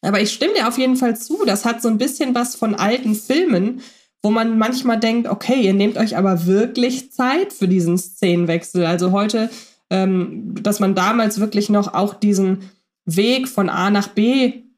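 A woman in casual podcast conversation, weighing ideas aloud in a thoughtful, analytical way. Her pitch sits in the ordinary middle for a woman, and fillers now and then break up her flow. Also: moderate pace, darkish tone. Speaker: podcast co-host. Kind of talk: casual chat.

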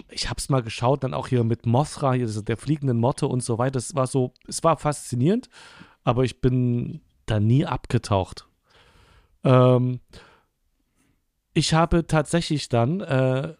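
A man's voice: medium pitch, a little mellow, no room sound, studio quality. A man in his forties co-hosting a casual film podcast, rambling and correcting himself as he talks. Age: 40s. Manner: rambling, self-correcting, amused. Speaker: podcast co-host.

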